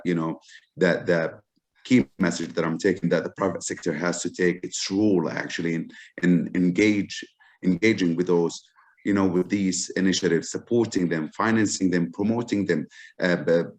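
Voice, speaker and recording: A man from Jordan, an entrepreneur on a panel, talking earnestly with many restarts and "you know"s. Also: low-pitched. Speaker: private-sector entrepreneur. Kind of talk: panel discussion over video call.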